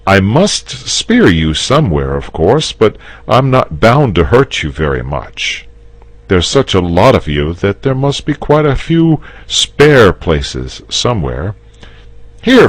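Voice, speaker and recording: A man's voice: deep voice, big pitch swings, unhurried, no echo, pitched above the performer's own voice, heavily acted. A man voicing a confident, patient knight in a storybook reading, raising his voice and coaxing. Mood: persuading. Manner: persuasive, patient.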